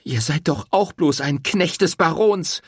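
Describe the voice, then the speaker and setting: A man's voice: measured pace, breathy edge, no echo, clean studio sound. Fiery young Sicilian woman, voiced by a man. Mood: bitter. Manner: shouting, defiant, raised high voice. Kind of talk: audiobook character voice.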